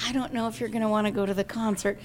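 Lively woman telling a personal story. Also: mid-range voice, rapid-fire, slight background noise. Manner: lively storyteller who acts out quoted voices. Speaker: singer and interview guest. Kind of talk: casual storytelling in an interview.

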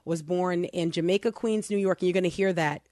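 A woman's voice: on the low side, a little fast, warm tone, no echo, clean studio sound. Earnest woman hosting a faith talk show. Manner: earnest, chatty, many restarts and fillers. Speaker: podcast host. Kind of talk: casual Christian talk show chat.

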